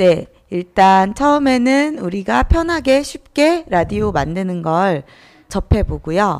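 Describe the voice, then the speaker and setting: A woman talks at a very slow pace with a medium pitch. Her pitch swings very widely. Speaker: radio instructor and DJ. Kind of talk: radio show hosting.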